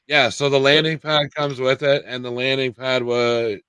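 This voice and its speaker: A man's voice: medium pitch, little pitch movement, moderate pace, sharp tone, smooth, no echo. A man co-hosting a casual chat show, joking and laughing often. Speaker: podcast co-host.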